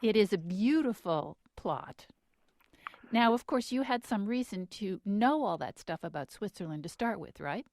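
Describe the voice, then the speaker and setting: A woman's voice: medium pitch, lively intonation, normal speed, darkish tone. A woman co-hosting a radio interview, prompting the guest with friendly tag questions. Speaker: radio show co-host.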